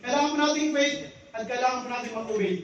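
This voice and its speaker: A man in his thirties preaches with a very high voice, sharing a story from the Bible. He keeps repeating his phrases and checking in with tag questions. He sounds far from the mic, in a very echoey room with faint noise. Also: fast talker, fairly bright tone, highs cut off. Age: 30s. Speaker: church brother giving a devotional.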